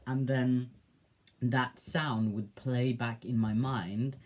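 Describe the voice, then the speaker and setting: A young man with a soft, gentle voice, talking in a reflective, hesitant way in a casual personal vlog. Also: medium pitch, steady tone, slow. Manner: reflective, hesitant, with many fillers. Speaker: vlogger.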